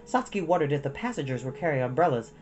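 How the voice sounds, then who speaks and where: A woman reading a children's storybook aloud in an expressive narrating style. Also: deep voice, racing. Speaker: storytime reader.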